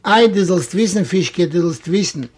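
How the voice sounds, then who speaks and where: A gentle, tearful young beggar woman from an old storybook tale, as a male reader puts her on. She speaks softly and sorrowfully in a fairly high voice. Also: animated, moderate pace, husky.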